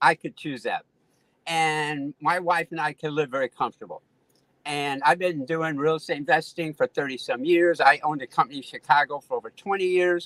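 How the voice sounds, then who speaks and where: In a normal speaking voice, a man talks at a fairly quick pace and fairly high pitch with fairly even intonation, the sound dry and close with no echo. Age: 60s. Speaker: coaching student and real estate investor. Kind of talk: casual live show conversation.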